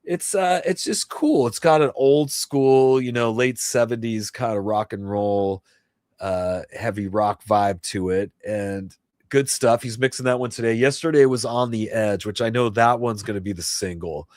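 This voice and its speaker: Rambling in a laid-back way with viewers on his livestream, this guitarist and host from New Jersey, in his fifties, chuckles every so often. He speaks unhurriedly in a mid-range, slightly mellow voice, captured in a dry studio-quality recording.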